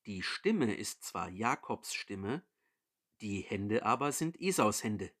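A man voicing an old blind father who gives a solemn, measured blessing. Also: lowish voice, very animated, fairly bright tone, exaggerated voice.

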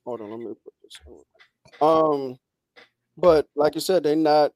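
A man with a slightly high voice hosts casual sports talk. He is informal and tends to repeat his phrases. The sound is dry, with no room echo. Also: measured pace, a little mellow. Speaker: podcast host.

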